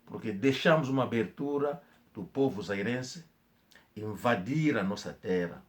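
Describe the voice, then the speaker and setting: A man's voice: lowish voice, lively intonation, measured pace. A man with an Angolan Portuguese accent giving an emphatic spoken commentary, with coughs and restarts. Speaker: channel host.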